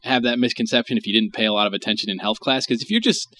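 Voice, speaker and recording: A man hosts a loose comedy podcast, reading news items aloud and riffing on them with crude humor. He keeps breaking into chuckles, and his voice sits at an ordinary middle pitch. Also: very fast, sharp tone, slight background noise. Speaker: podcast host. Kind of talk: casual comedy podcast chat.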